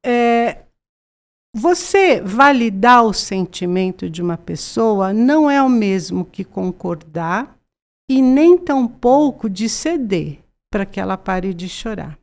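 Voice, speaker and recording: A woman's voice: medium pitch, sing-song, slow pace, a little mellow. A Brazilian woman in her sixties, a psychologist guest, earnestly explaining ideas with many fillers and repeats. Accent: Brazilian Portuguese. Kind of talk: conversational explanation.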